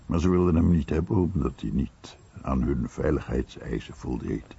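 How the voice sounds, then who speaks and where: A man giving a measured Dutch documentary voice-over of someone's recollections. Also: rumbling low, expressive, creaky, warm tone, husky, heavily acted. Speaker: voice-over translator. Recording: dull, muffled radio recording.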